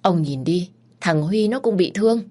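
A woman's voice: medium pitch, expressive, moderate pace, pitched above the performer's own voice, natural voice. A woman doing a stern scolding landlord husband. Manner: scolding, commanding. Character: stern, harsh older landowner husband.

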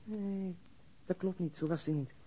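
An actor playing a brooding, dry-humoured police detective at home with a terse manner in a radio drama. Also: male voice, high voice, a little slow, mellow, slightly rough, rough recording. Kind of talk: naturalistic radio drama dialogue.

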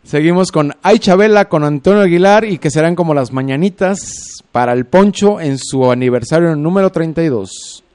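Mexican guy hosting radio, kinda high voice, jokey and casual. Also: lively intonation, moderate pace, hardly any pauses, darkish tone, clean tone. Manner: joking, chatty teasing. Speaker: radio host.

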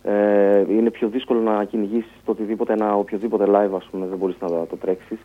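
A man, a band musician talking about his band in a radio interview, telling it in a relaxed way. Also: lowish voice. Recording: tinny phone-like radio sound.

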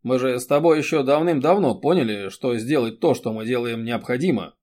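A man's voice: medium pitch, fairly quick, darkish tone, close to an everyday voice. A male reader voicing a blunt, protective young man who talks firmly and soothingly. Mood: stern insistence. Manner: firm, reassuring, sometimes barking. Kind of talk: audiobook character reading.

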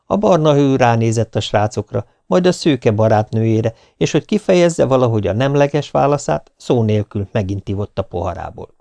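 A male narrator reads a short story in a steady, measured manner. His voice is warm and dark with a gravelly edge, mid-pitched, recorded close and dry with no room sound. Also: dry recording. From Hungary. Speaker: audiobook narrator. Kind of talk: scripted narration.

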